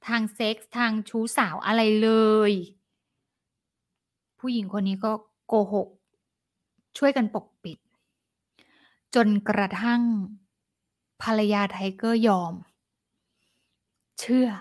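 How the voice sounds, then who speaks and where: A woman's voice: on the high side, steady tone, slow, long pauses. A woman telling a celebrity gossip story in a dramatic, chatty way, acting out the quoted lines.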